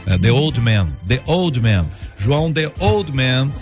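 A Brazilian man hosting a radio debate show, joking and teasing his guests in a lively, chatty way. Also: mid-range voice, slow, soft background music. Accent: Brazilian Portuguese. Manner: jokey, teasing, talks over guests.

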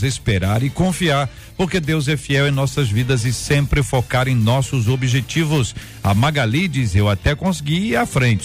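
A man hosting a radio talk show, bantering with teasing jokes and reading out listener messages. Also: mid-range voice. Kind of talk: relaxed joking studio chat, reading listener messages.

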